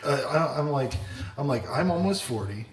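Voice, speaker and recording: A man's voice: medium pitch, expressive, moderate pace. Rambling late-30s podcast host man. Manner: rambling, self-deprecating, swears often. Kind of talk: casual chat. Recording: echoey room from far off, noisy.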